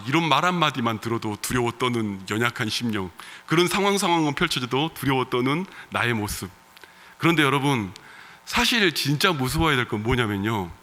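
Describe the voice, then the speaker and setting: A man in his thirties, a pastor, preaching a sermon in a church, moving between loud emphatic calls and quiet storytelling. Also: mid-range voice. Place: church sanctuary. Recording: long reverb of a church hall.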